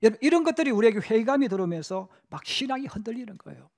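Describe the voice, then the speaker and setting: A middle-aged Korean pastor gives a rapid-fire sermon in a church sanctuary, his voice high for a man. He blends lively storytelling with small acted-out quotes and addresses the congregation as if chatting with them.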